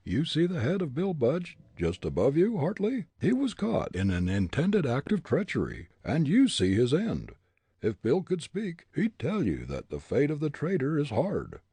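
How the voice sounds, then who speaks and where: A blustering smuggler captain, stern and demanding, as a male reader voices him, a few steps above the narrator's pitch. The voice is husky and dark, read close and dry. A storybook villain. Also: wildly swooping pitch, moderate pace, no echo, exaggerated voice. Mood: accusing.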